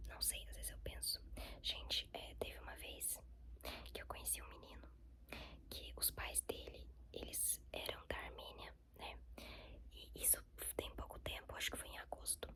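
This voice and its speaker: A woman's voice: normal speed, sharp tone. A young woman with a Brazilian accent, whispering a rambling ASMR chat to her viewers with many fillers. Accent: Brazilian Portuguese. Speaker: ASMR creator.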